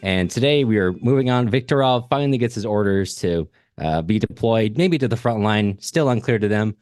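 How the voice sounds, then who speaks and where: A man with a low-pitched voice co-hosts a literary podcast. He talks in a loose, informal, rambling style. The sound is dry, with very little room echo. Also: expressive, normal speed, darkish tone, soft background music. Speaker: podcast co-host. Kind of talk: casual literary discussion.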